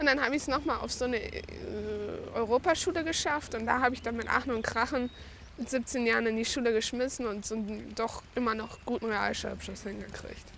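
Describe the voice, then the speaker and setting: A woman talks at a fairly quick pace with fairly high pitch and ordinary pitch variation, in an ordinary speaking voice. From western Germany, Ruhr area (near Bochum). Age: 20s. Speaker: interviewee, aspiring actress. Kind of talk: interview. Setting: outdoors by a river.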